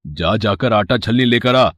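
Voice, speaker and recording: A man's voice: lowish voice, measured pace, a bit bright, no echo, clean studio sound. A man voicing a greedy, scheming elder brother in a cartoon story, wheedling and putting on fake tears. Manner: wheedling, fake-weeping, then panicked. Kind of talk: cartoon voice acting.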